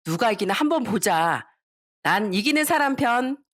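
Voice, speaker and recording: A woman's voice: a little high, sing-song, normal speed, pitched above the performer's own voice. Woman doing a gleeful, teasing young woman. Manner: giggly, egging on.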